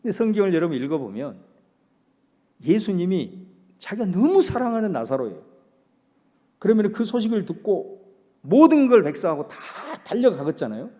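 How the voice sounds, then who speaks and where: High-voiced male pastor preaching dramatically. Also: big pitch swings, normal speed, pauses often, big-room sound. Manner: dramatic preaching, swinging between loud proclamation and hushed speech. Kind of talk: sermon.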